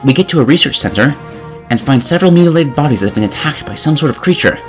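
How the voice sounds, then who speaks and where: Higher-pitched man ranting sarcastically over music. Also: animated, quick pace. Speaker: video game reviewer. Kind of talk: scripted comedic review narration.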